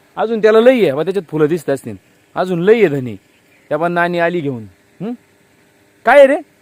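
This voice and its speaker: High male voice with very wide pitch swings. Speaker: farmer and vlogger. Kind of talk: casual vlog chat. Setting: outdoors in a farm field.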